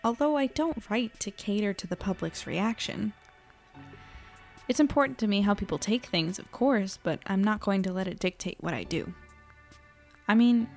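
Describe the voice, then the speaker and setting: A woman's voice: mid-range voice, darkish tone, natural voice. A woman playing an earnest, anxious small-town newspaper reporter in an audio drama, conversational, musing and unsure of herself. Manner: conversational, musing, self-doubting. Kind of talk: naturalistic audio drama podcast acting.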